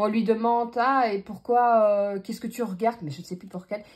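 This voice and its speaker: Here a woman is speaking. Her pace is moderate. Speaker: budgeting vlogger. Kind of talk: casual tutorial vlog. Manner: mumbles words.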